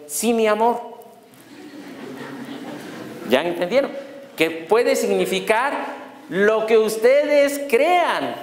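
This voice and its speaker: A middle-aged man with a Mexican accent giving a law lecture, telling stories and quizzing his audience with jokes. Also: a little high. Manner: animated, jokey, asks the audience questions. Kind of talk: lecture with storytelling. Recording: echoey lecture hall.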